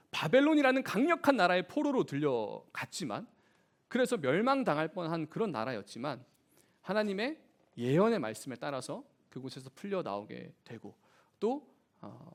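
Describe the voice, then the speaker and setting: Man, youth pastor, high and lively delivery, preaches by asking the room questions. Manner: animated preaching with questions to the congregation. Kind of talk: sermon. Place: church.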